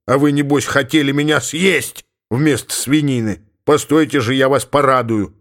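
A gruff middle-aged Cossack father, as a male audiobook reader plays him, grumbling and exclaiming in a mid-range voice. He sounds stubborn and suspicious, forever muttering to himself. The storybook reading keeps him close to the reader's own voice. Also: mid-range voice, fairly even intonation, normal speed, fairly bright tone, close to an everyday voice. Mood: mocking.

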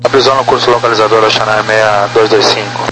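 A man's voice: lowish voice, fairly even intonation, a little fast, bright, forceful tone. A man speaking as a pilot in clipped, procedural radio calls like police radio traffic, with terse readbacks. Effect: two-way radio transmission. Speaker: airline pilot. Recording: noisy radio with hum.

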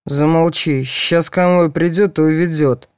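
A woman voicing a tired male court guard who speaks in curt, flat orders. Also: lowish voice, moderate pace, no room sound, studio quality, lightly acted.

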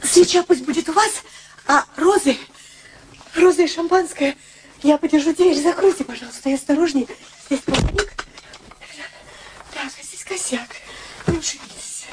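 A middle-aged, dutiful daughter in a radio drama, played by a woman, with a high voice. She sounds brittle, hesitant and apologetic, a weary and touchy soul. Clear noise runs behind her. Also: normal speed, pauses often, close to an everyday voice. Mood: flustered. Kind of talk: radio play acting.

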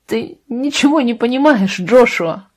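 A woman's voice: a little high, sing-song, moderate pace, mellow, slightly rough, pitched above the performer's own voice. A woman reading an audiobook, voicing an upset, defiant teenage girl in raised, indignant outbursts.

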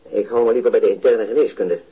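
An actor playing a middle-aged, evasive doctor in a radio drama, hesitant and dryly pedantic, heard on a taped playback. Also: male voice, on the low side, steady tone, fast talker, slightly rough, lo-fi sound. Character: evasive, pedantic male physician, dryly cautious.

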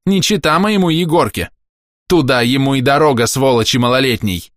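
Shrill, screeching village scold, loud and spiteful, put on by a male reader. Audiobook. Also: lively intonation, takes it slowly, no echo, clean studio sound.

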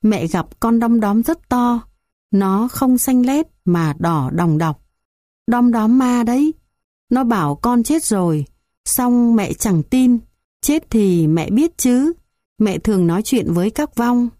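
A woman's voice: fairly high pitch, lively intonation, slow, dark tone, no echo, studio quality, voice pushed up. A woman voicing a frail, grieving old village woman who talks in a dazed, pleading way.

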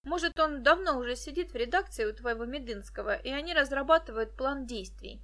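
A woman voicing a sharp-tongued, practical teenage girl in an audiobook, speaking in a brisk, teasing way. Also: high voice, animated.

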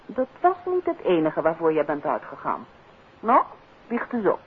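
An actress playing a detective's curious, teasing wife in a 1950s radio play, bantering and playfully nagging. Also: female voice, low voice, huge pitch swings, moderate pace. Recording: muffled, hissy 1950s radio recording.

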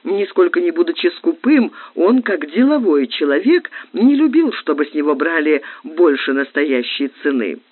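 A man narrating a literary audiobook with expressive, theatrical phrasing. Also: a little high, normal speed, few pauses, husky. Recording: tinny phone-like lo-fi recording.

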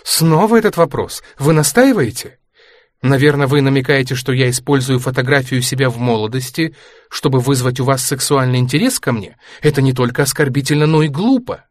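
A man reading a book aloud, voicing an aging former ballerina who is anxious, proud and sharp-tongued, in a higher, tense voice. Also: fairly quick, dry recording, studio quality, lightly acted. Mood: indignant. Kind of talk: audiobook character reading.

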